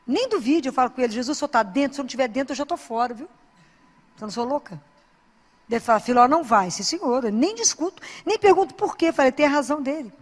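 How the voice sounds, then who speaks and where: A woman's voice: sits high, lively intonation, fast, big-room sound. A woman who is a Christian speaker and doctor, giving an informal sermon full of anecdotes in an earnest, exhorting, conversational way.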